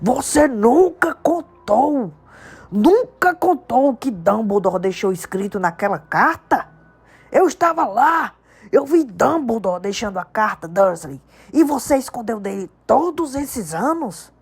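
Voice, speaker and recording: A woman voicing a huge, gruff half-giant man who bellows in slow, emphatic outbursts. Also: sits high, very animated, voice pushed up, full character voice. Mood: furious.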